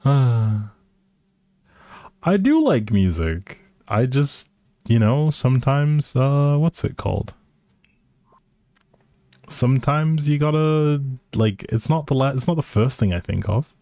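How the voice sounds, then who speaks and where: A man's voice: mid-range voice, lively intonation, takes it slowly, long pauses, mellow, dry recording. A man live streaming a video game with casual, hesitant commentary, thinking aloud and often trailing off. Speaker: live streamer playing a life simulation game.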